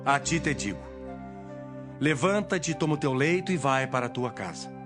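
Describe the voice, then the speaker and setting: Guy playing a solemn bible teacher, calm authority, declaiming, clear music underneath, really varied intonation. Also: medium pitch, normal speed, natural voice. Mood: gentle, commanding. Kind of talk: dramatized audio Bible acting.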